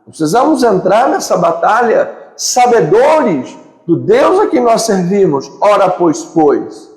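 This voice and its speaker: A man's voice: high voice, big pitch swings, takes it slowly, darkish tone. A man with a Brazilian accent preaching a sermon as pastor, driving his points home with emphatic repeated phrases and lists. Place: church sanctuary. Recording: echoey hall with long reverb.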